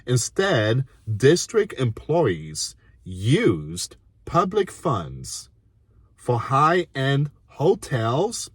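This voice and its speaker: A man's voice: mid-range voice, no room sound. A man from Puerto Rico reading a news article aloud and adding indignant comments, with frequent asides and restarts.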